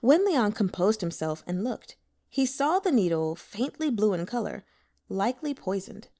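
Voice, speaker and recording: A woman reading scripted fiction aloud as an expressive audiobook narrator. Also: medium pitch, moderate pace.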